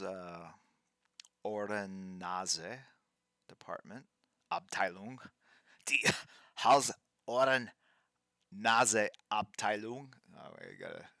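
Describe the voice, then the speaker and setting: A man in his fifties hosting a livestream, chatting casually while drawing and reading out viewer names in a halting, thinking-aloud way. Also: fairly low pitch, sharp tone, no room sound, studio quality. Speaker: livestream host.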